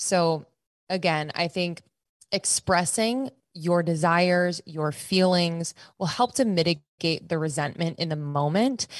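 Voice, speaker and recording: This woman has an ordinary speaking voice, fairly low in pitch, with ordinary pitch variation and an American accent. She speaks at a fairly slow pace. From Pennsylvania, US East Coast. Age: 30s. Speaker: podcast host, wellness and spirituality. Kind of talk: casual interview chat.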